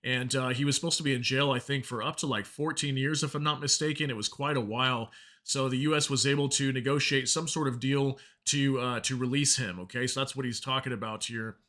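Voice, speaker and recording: A man's voice: mid-range voice, fairly even intonation, fairly quick, bright, forceful tone. A man hosting an informal news commentary, explaining reports and reading out statements in a conversational way. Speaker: news commentary channel host.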